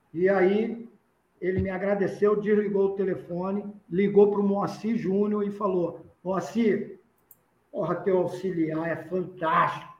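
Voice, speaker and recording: The speech moves at a fairly slow pace in a flat, monotone intonation, with audible room echo. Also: man, high pitch for a man. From Rio de Janeiro, Brazil (Padre Miguel, Bangu). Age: 50s. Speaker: football coach. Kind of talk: interview.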